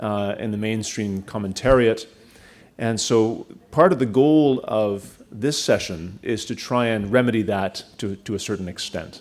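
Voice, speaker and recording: At a fairly slow pace, a man with a Canadian accent talks at a medium pitch with ordinary pitch variation. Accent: Canadian vowels. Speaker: deacon and think tank fellow, event moderator. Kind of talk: panel moderation introduction. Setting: live conference side event. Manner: formal.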